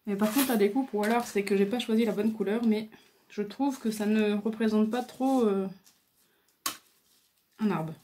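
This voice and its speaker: A woman's voice: medium pitch, fairly even intonation, moderate pace, long pauses, mellow. A woman chatting casually as she shows off her craft supplies, hesitant and full of fillers, recorded at home on a camera mic. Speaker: crafting video host. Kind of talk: casual show-and-tell.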